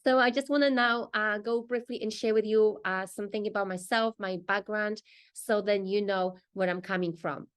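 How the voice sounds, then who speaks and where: A woman's voice: medium pitch, fairly even intonation, clean tone. A middle-aged woman from Poland with a Polish accent, presenting a business training session in an earnest, explanatory way. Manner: earnest, explanatory, pauses often in short phrases.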